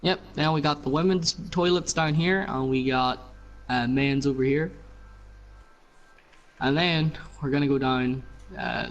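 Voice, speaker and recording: A man's voice: medium pitch, fairly bright tone, slight background noise, low-quality recording. Man rambling through a casual game tour. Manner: rambling, many fillers and "you know". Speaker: player showing his build.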